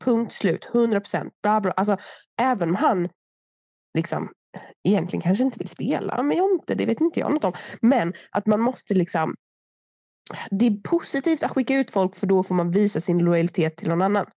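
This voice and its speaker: A young woman chatting casually as a podcast host, talking through a reality show with animated asides. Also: mid-range voice, gravelly, no echo, clean studio sound.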